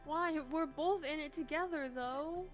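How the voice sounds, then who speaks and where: A woman's voice: high-pitched, measured pace, soft background music. A woman co-hosting a gaming video, chatting casually in slangy, colloquial speech. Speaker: gaming channel co-host. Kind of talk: casual chat over a game playthrough.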